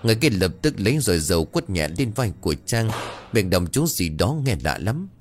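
A man narrating a scripted horror story in a dramatic, expressive way. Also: on the low side, a little fast, noisy background. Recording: faint background music.

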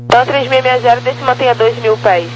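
An air traffic controller speaks in clipped, standard phraseology at a medium pitch. The voice comes through an aviation radio transmission with a faint noisy hum underneath. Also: fairly even intonation, fast, lo-fi sound.

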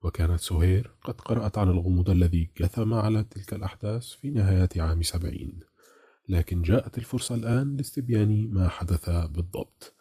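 A man narrating an audiobook novel in a measured, steady reading. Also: low voice, breathy edge. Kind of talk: scripted narration.

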